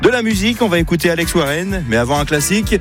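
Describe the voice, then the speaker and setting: Upbeat high-voiced male radio presenter. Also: lively intonation, quick pace. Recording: music bed underneath.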